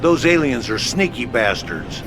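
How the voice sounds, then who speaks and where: A man voicing a gruff headquarters radio officer who speaks in wry, curt radio talk. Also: mid-range voice, big pitch swings, a little slow, heavy background noise. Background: loud game score music.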